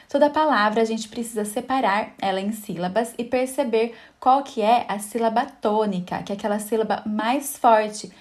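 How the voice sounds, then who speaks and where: A woman with a Brazilian Portuguese accent teaching an exam-prep video lesson. Her voice sits a little high, and she walks through each point patiently, checking in with the viewer as she goes. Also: darkish tone. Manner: friendly, explanatory, checks in with "tá?" and "né?".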